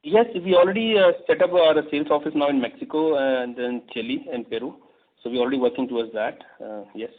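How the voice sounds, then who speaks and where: Quick Indian executive on tinny phone line. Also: male voice, mid-range voice. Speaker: company executive. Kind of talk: answering analysts on an earnings call. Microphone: telephone conference call.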